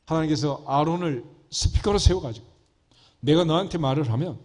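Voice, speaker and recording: A man's voice: a little high, brisk, a little mellow. A male pastor giving a folksy, conversational sermon, often asking the congregation rhetorical questions.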